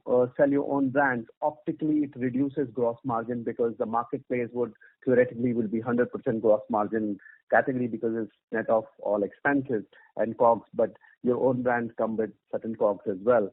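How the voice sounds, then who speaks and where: A man's voice: medium pitch, no room sound. A man speaking as a financial analyst, putting questions to management on an earnings call. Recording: dry narrow phone line.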